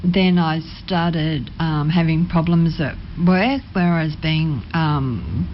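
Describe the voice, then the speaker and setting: Woman, studio guest, low voice, halting and soft, dull lo-fi sound. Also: a little hiss or hum. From Sydney, Australia. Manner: hesitant, many ums, soft-spoken. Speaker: interview guest. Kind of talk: personal testimony. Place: radio studio.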